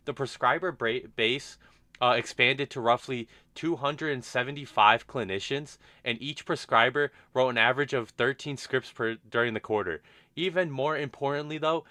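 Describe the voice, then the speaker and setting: A man's voice: medium pitch, bright, forceful tone, no echo. A man hosting an investment channel, talking through a company's quarterly results in an unscripted, thoughtful way with frequent restarts and fillers. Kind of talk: unscripted stock analysis monologue.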